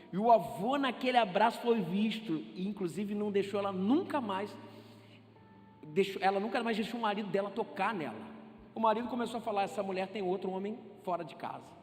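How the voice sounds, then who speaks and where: A Brazilian pastor preaching a sermon, animated, acting out the voices in his stories. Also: high-pitched, fairly quick, slight background noise. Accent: Brazilian Portuguese. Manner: animated preaching, acts out dialogue in story. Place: church hall. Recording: echoey hall, faint ambience.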